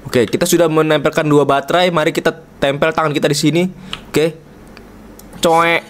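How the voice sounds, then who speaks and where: A man's voice: a little high, level tone, fast talker. A man from Indonesia, playful and chatty, giving casual live commentary while streaming a game and constantly calling out to viewers. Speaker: gaming streamer.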